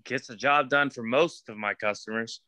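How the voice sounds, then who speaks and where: A man reads the part of a folksy, laconic restaurant keeper in a small-town drama. The voice is very bright and sharp, closely recorded and dry, with an understated delivery. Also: medium pitch, normal speed, no room sound, close to an everyday voice. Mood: wry. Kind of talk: screenplay table read.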